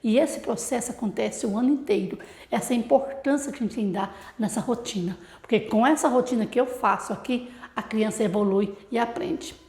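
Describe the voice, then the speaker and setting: Brief: Brazilian woman teacher, higher voice, talks teachers through a method with rhetorical questions, echoey room. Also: fairly quick, darkish tone. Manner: explanatory, with rhetorical questions to the audience. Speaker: literacy teacher.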